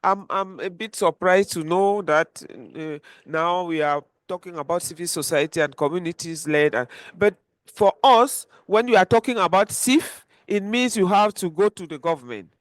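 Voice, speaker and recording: A woman speaking as a panelist and network coordinator, earnest and halting, often restarting her sentences. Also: fairly low pitch, dry recording. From Cameroon. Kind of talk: panel discussion remarks.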